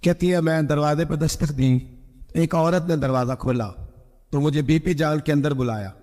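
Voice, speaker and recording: A man's voice: on the high side, a little mellow. A man with a Pakistani Urdu accent preaching a storytelling sermon, acting out the people in his story and jumping up sharply for their stern lines. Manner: acts out quoted voices, voice rising sharply for stern lines. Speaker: religious preacher. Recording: long hall reverb.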